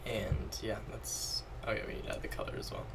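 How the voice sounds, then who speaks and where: A programming tutorial host with a lowish, creaky voice talks briskly, with huge pitch swings, through a screen-recorded coding walkthrough. His voice is fading a little as he casually thinks aloud and corrects himself while typing. Heavy background noise comes from loud keyboard typing and mouse clicks caught by a distant mic.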